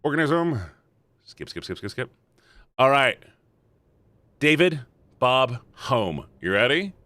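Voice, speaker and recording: A man streaming a story game, reading the text aloud and chatting playfully with his viewers in an animated way. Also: medium pitch, takes it slowly, dry recording. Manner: animated, playful, shouting at times. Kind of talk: reading a visual novel aloud to chat.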